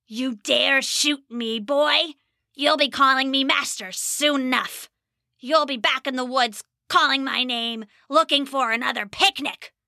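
Storybook villain: woman doing a big gleeful goblin, strange altered timbre, drawn-out sneering delivery, very dry close sound. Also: high-pitched, vocal fry, bright, forceful tone, no echo, heavily acted. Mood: taunting. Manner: slow, drawn-out taunting. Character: big sly male goblin, menacing and gleeful.

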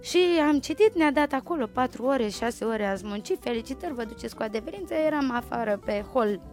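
Lively woman telling a story. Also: on the high side, soft background music. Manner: lively anecdotal, acts out quotes. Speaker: guest. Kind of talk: casual storytelling on a podcast.

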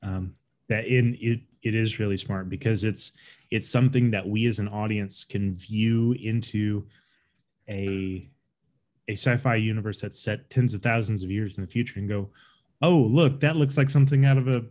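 A man's voice: lowish voice, steady tone, moderate pace, a little mellow. A man co-hosting a podcast, giving loose, opinionated takes on a film. He rambles, often restarts his sentences, and circles back to make his point. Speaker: podcast co-host. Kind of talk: casual movie review chat.

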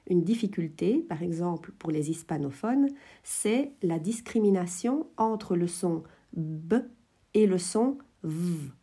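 A woman hosting an educational podcast, explaining French phonetics in a clear, measured way. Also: fairly low pitch, warm tone. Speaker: French teacher, podcast host.

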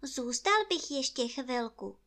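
A woman voicing a naive, greedy bear cub with a high, squeaky, plaintive voice in a storybook reading. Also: animated, sharp tone, heavily acted. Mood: eager.

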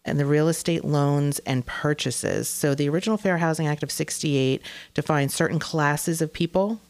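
Low gravelly lady host, lots of ums, dry close sound. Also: moderate pace, darkish tone, no echo. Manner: many fillers and hesitations. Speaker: real estate show host. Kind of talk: casual explanatory chat.

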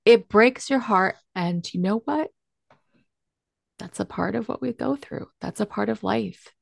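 Earnest woman with a gravelly edge. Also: medium pitch, unhurried, dry recording, clean studio sound. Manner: earnest, emotional, emphatic. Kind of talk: candid conversation.

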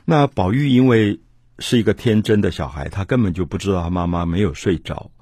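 A man giving a reflective literary lecture, retelling a story with earnest, measured moral commentary. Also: sits low, darkish tone, husky, dry recording, studio quality.

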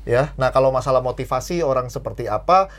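Man, trainer, podcast guest, animated, acts out quotes. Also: mid-range voice, quick pace. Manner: animated, acts out quoted voices, laughs often. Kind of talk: casual podcast conversation.

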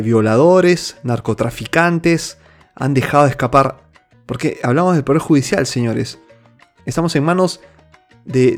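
A man from Peru hosting his own opinion show, speaking earnestly with many restarts and fillers. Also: medium pitch. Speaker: host. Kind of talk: opinion monologue.

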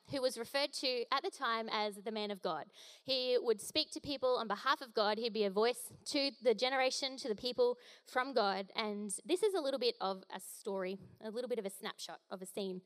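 A young woman preaches in a relaxed, chatty way, full of playful asides and quick jokes. Her voice sits a little high for a woman. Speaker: guest preacher. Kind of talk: casual sermon.

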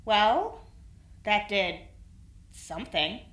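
A woman's voice: mid-range voice, expressive, extremely slow, a bit bright. An actress playing a resourceful young woman trapped on a station, talking in a wry, practical way in an audio drama. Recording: roomy echo with faint music.

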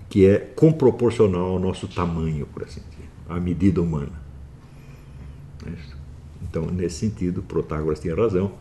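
Deep-voiced man lecturing, emphatic. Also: warm tone. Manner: scolding, emphatic, many tag questions. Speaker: teacher lecturing students. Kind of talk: philosophy lecture.

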